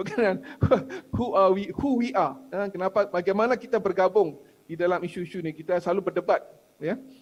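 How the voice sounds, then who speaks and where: A man with a high pitch and a Malaysian accent talks at a fairly quick pace with ordinary pitch variation over noticeable background noise. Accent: Malaysian Malay. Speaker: university lecturer, architect. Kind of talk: seminar presentation. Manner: hesitant, many fillers.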